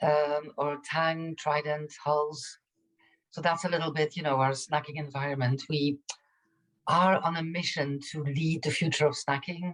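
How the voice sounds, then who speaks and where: The intonation is monotone and flat, with a slight Belgian accent. The pace is fairly slow. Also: woman, very deep, low pitch for a woman. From Belgium. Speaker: sustainability executive. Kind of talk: panel discussion.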